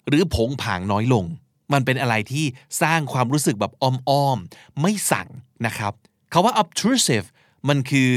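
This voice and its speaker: A man's voice: medium pitch, no echo, clean studio sound. A man who speaks Thai as his first language, hosting a casual podcast lesson, explaining English phrases and reading out examples in a playful way. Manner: switches between Thai and read-out English examples; playful, animated emphasis. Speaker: podcast host teaching English.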